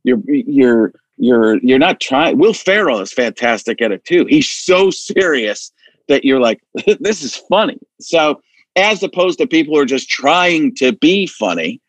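A man hosting a podcast, telling stories in a rambling, animated way with many restarts. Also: medium pitch, measured pace, no room sound, poor audio. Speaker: podcast host. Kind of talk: casual chat.

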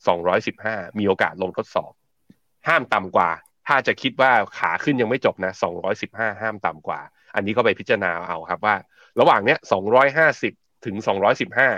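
A man co-hosting a morning markets show, explaining charts and reading viewer comments in a relaxed, chatty way. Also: fairly low pitch, dry recording, lo-fi sound. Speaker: co-host and market analyst.

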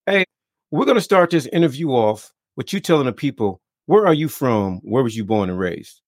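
A man's voice: mid-range voice, moderate pace, dry recording. Minister guy hosting a podcast, bouncy up and down voice, dry close sound, keeps saying amen. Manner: lively, repetitive, preacher-like affirmations. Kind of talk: casual interview.

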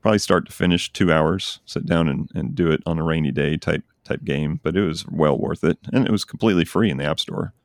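A man's voice: extremely low pitch, a little fast, few pauses, no echo. A man hosting a podcast, chatting casually and enthusiastically about games he recommends. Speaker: podcast host. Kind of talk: casual chat.

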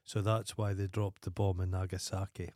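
Sweary low-voiced Scottish man rambling. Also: level tone, moderate pace, a little mellow, no echo, clean studio sound. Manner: rambling, sweary storytelling with wild sung outbursts. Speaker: podcast co-host. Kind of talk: casual profane banter.

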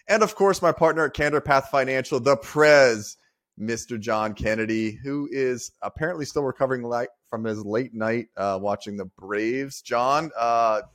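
An upbeat man hosting a business podcast, easygoing and chatty. His voice sits at an ordinary middle pitch, and he drops in casual fillers as he goes. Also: normal speed, fairly bright tone. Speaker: podcast co-host.

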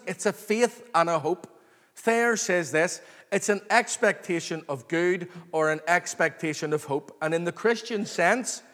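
A man preaching an expository sermon to a congregation, earnest, excited and emphatic, repeating phrases and calling for response. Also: high-pitched. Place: large reverberant room, live before a congregation. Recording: long hall reverb.

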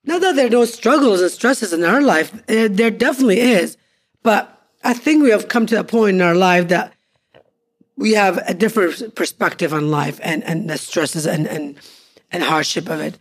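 A woman's voice: medium pitch, moderate pace. Earnest upbeat woman co-hosting a podcast. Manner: earnest and upbeat, builds points in lists. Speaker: podcast co-host. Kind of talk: casual couple's podcast chat.

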